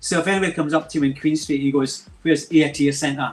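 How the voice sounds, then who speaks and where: This man's fairly high voice rushes along at a very fast pace. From Scotland. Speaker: event photographer. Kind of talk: casual chat.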